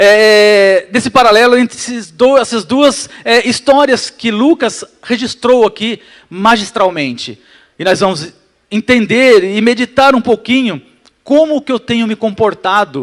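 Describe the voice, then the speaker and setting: A man speaks with a high pitch and ordinary pitch variation. The sound is dry and close, with no echo. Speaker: pastor. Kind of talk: sermon. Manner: fast; animated.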